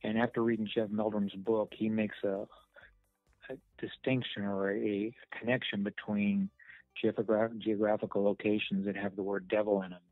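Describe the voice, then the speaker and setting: A man's voice: on the low side, little pitch movement, normal speed, no echo. A middle-aged or older man telling a first-person account in a rambling storytelling way. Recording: dull, dry audio with faint music.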